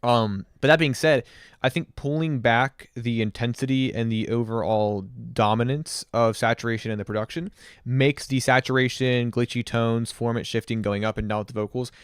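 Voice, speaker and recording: A man's voice: medium pitch, steady tone, normal speed, smooth, no room sound, clean studio sound. A man reviewing songs on a casual livestream, rambling with many fillers and restarts. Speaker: music reviewer streamer.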